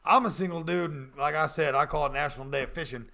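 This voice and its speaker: A man's voice: fairly high pitch, quick pace, gravelly, sharp tone. A man co-hosting a comedy podcast, handing out blunt, folksy advice in casual, profane language. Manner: blunt, folksy, swears freely.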